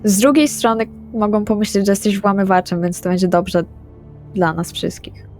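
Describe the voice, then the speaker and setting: A woman's voice: medium pitch, fairly even intonation, moderate pace, darkish tone, soft background music, natural voice. Woman playing earnest, remorseful young vampire woman. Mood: determined. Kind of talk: improvised roleplay audio drama.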